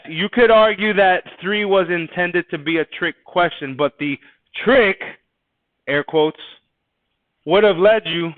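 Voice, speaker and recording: A man with a high voice teaches a math class, chatting casually through the quiz answers and often restarting or repeating words as he thinks. The dry, narrow, phone-like recording has no room sound.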